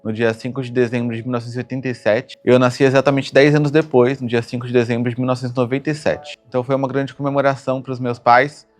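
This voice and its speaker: A man's voice: mid-range voice, little pitch movement, fast talker, hardly any pauses, faint music behind. A man, a marketer telling his story with careful detail. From Brazil, São Paulo state. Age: 20s. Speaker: marketer and business partner. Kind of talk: documentary-style personal storytelling.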